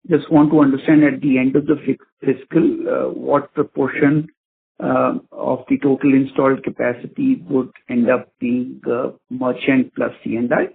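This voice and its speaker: A man, an analyst caller speaking over a phone line, asking polite, deliberate questions on an earnings call. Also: medium pitch, gravelly, slightly rough. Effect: heard over a phone line.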